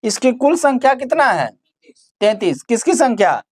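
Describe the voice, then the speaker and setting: A woman's voice: on the high side, sing-song, moderate pace, a little mellow, breathy edge, no echo, studio quality. A woman teaching a grammar lesson, asking her students questions and then answering them herself while repeating the key terms.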